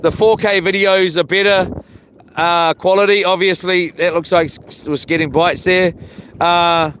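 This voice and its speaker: Kiwi guy with a highish voice rambling casually on a fishing livestream, clear boat and water noise round him. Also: fairly even intonation, a little slow, fairly bright tone. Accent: New Zealand. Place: outdoors on a small boat.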